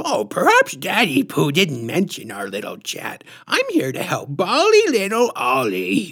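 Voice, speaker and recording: Delivered in a put-on character voice, the speech runs on with hardly any pauses. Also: moderate pace. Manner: patronizing.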